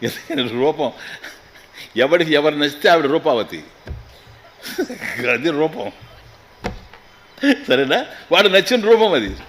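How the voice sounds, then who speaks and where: Swami chanting and joking. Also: male voice, on the high side, sing-song, a bit bright, a little hiss or hum. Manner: chants Sanskrit slowly, then speaks quickly with humor. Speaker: swami giving a spiritual discourse. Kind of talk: Telugu scriptural discourse.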